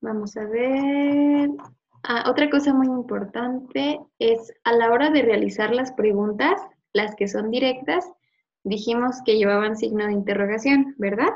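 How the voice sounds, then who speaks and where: A woman teacher giving a one-on-one review lesson, patiently quizzing and repeating words slowly. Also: a little high, darkish tone. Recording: slightly muffled lo-fi audio.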